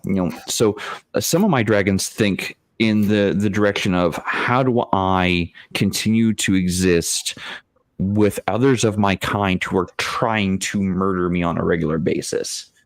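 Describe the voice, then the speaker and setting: A man with a very low voice talks casually as a game master on a panel. His delivery rambles and halts, circling back over phrases. The sound is dry and close. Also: no room sound. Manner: rambling, halting explanation with repeated phrases. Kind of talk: casual discussion of tabletop gaming.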